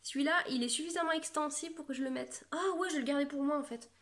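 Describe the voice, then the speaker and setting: A woman from France chats away about her knitting projects in a casual, meandering way. Her voice sits slightly higher than most, and she keeps breaking into fillers and teasing herself. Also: fast, a bit bright. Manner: chatty, rambling, self-mocking with many fillers. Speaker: knitting vlogger. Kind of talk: casual chat to camera.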